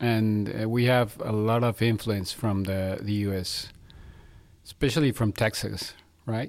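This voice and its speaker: A man with a Mexican accent speaks at a fairly low pitch and a fairly slow pace, with fairly even intonation. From Mexico City. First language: Spanish. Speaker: falconer. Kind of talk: casual interview chat. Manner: halting, repeats words.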